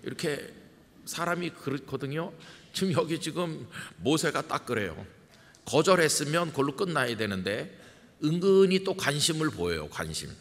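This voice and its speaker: A man's voice: fairly high pitch, very animated, normal speed, fairly bright tone. A man pastor giving a conversational sermon, asking his congregation questions and acting out quotes. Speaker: senior pastor. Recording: long reverb of a church hall.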